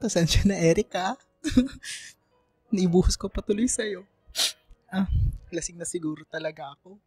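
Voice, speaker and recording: A woman's voice: lowish voice, measured pace, mellow, husky, no echo, faint music behind. A woman playing an insecure young gay student in an emotional, hesitant radio drama performance. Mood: subdued, grateful. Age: young adult. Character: tipsy, insecure young gay student, self-doubting and giggly.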